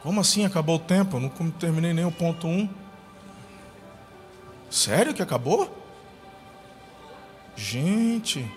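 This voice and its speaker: A man's voice: fairly high pitch, animated, a little slow, pauses often, faint music behind. Man, pastor, sermon, anecdotes with acted-out voices, long hall reverb. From Brazil. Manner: storytelling with acted-out quotes. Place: church hall.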